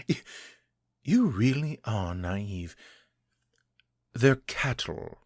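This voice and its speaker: An actor playing a cruel, centuries-old vampire lord who taunts his captive, speaking in a husky, condescending way. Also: lowish voice, expressive, no room sound, studio quality, full character voice. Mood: contemptuous. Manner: taunting, condescending, slow and deliberate. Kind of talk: audio drama, one-sided dialogue.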